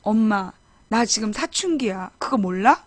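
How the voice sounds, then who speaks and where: A woman's voice: medium pitch, expressive, a little slow, no room sound. A woman voicing her cheeky teenage daughter talking back to her mother. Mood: sassy.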